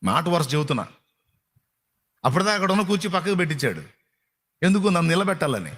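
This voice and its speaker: A man's voice: fairly high pitch, big pitch swings, fast, fairly bright tone. A male pastor preaching a sermon in a colloquial, repetitive style, firing rhetorical questions at his congregation.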